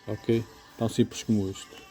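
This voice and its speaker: Explaining step by step in an informal, hands-on review, this man with a European Portuguese accent reviews motorcycle gear and keeps asking "ok?". His fairly low, dark-toned voice has a flat delivery at a moderate pace.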